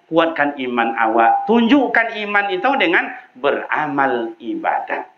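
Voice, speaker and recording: A man preaching a sermon in a mosque with a Minangkabau accent, swinging between loud high calls and low quiet asides. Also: sing-song, a little slow, lo-fi sound.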